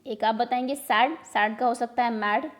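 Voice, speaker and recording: A woman teacher with an Indian accent going over exam revision questions, explaining in Hindi and mixing in English words and sentences. She reads each question out slowly, then explains it at a quicker pace. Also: fairly high pitch, steady tone.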